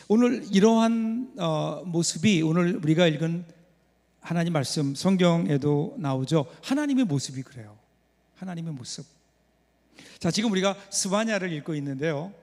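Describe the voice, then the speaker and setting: A man's voice: a little high, expressive, normal speed, darkish tone. A man preaching a Sunday sermon as pastor, telling a story conversationally and putting rhetorical questions to the congregation. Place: church sanctuary. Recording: long reverb of a church hall.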